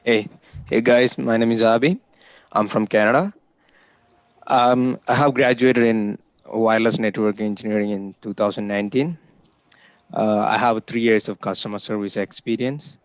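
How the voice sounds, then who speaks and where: A man with a low, flat voice introduces himself earnestly for a mock interview, sometimes halting. The audio is dry and muffled, typical of a video call. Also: no room sound. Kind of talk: formal self-introduction. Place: home room on video call.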